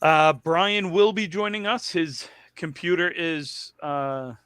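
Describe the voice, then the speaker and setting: A man's voice: on the high side, fairly even intonation, slow, a bit bright, clear, resonant tone, no echo, studio quality. A man hosting a casual bowling podcast, chatting loosely and stumbling over fillers. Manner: rambling, fillers, self-deprecating. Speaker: podcast host.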